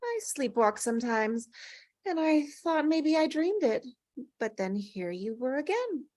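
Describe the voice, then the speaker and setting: A woman's voice: sits high, sing-song, unhurried, darkish tone, no echo. A woman playing an eerie, coyly innocent woman in white who needles and probes, in a scripted table read. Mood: breathless, innocent.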